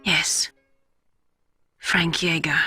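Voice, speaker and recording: A woman playing a wounded, vengeful young female geneticist in a video game, confessing in a solemn, deliberate way. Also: low voice, little pitch movement, exaggerated voice. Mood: bitter, wounded. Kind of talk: dramatic video game voice acting. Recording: loud music under the dialogue.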